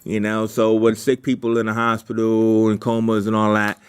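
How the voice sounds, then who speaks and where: A man leading a writers' meeting in casual, halting talk, repeating himself as he thinks aloud and brainstorms. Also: lowish voice, monotone, clean tone.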